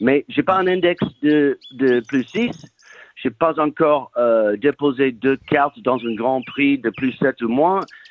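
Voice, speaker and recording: With very even loudness and ordinary pitch variation, a man talks at a very slow pace. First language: English (speaking French). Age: 50s. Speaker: amateur golfer, listener. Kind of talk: casual chat.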